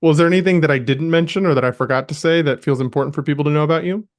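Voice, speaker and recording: A man's voice: on the high side, rapid-fire. A man hosting an interview podcast, who introduces his guest and then asks questions in an affirming, encouraging way with frequent laughs. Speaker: podcast host, life coach.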